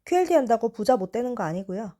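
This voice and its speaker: A woman's voice: on the high side, very animated, quick pace, warm tone. Young woman explaining stock charts. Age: 20s. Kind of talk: chart analysis talk.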